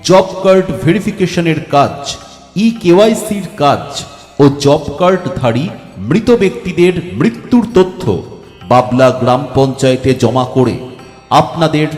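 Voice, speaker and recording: A man making a formal public announcement for a village council through a loudspeaker mic, in a measured, reading-out manner. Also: on the high side, expressive. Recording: echoey hall reverb with faint music.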